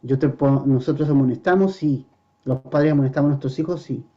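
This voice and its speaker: A man preaching a verse-by-verse sermon as pastor, earnestly asking the congregation rhetorical questions and slowing down to stress scripture quotes. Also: mid-range voice, mellow, highs cut off.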